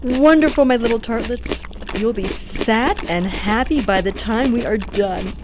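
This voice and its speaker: A woman voices an elderly, grandmotherly radio-play hostess spinning spooky tales, cooing and drawing out her words theatrically in a sweetly menacing, doting, sinister way. Her natural voice is fairly high-pitched, and background noise can be heard.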